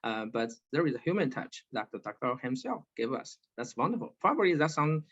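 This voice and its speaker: A man hosting an online talk, moderating with many halting fillers and restarts over a video call. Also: medium pitch, big pitch swings, a bit bright. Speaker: webinar host and moderator. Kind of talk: hesitant online panel moderation. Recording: slightly dull lo-fi video call audio.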